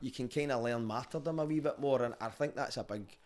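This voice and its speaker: A man's voice: mid-range voice, fast talker, a little mellow. A man with a Glaswegian street Scottish accent, chatting casually and telling stories in a candid, sweary, conversational way. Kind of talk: casual podcast chat and storytelling.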